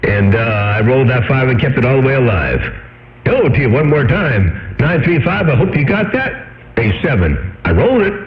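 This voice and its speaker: Over an echoey, dull CB radio transmission, a man chats casually in a drawl, using trucker lingo full of handles and codes. His medium-pitched voice swings widely in pitch at a moderate pace.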